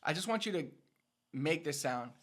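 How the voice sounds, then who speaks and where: A man's voice: on the high side, animated, moderate pace, heavy background noise. A man giving a casual pronunciation lesson as a teacher, demonstrating rolled R trills and syllables between his explanations.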